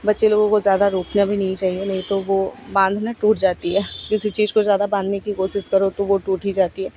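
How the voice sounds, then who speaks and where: A woman in her thirties, a vlogger, doing a chatty, rambling voice-over for her vlog, talking quickly. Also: medium pitch, flat delivery, mellow, slight background noise, rough recording. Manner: chatty, rambling, talks fast.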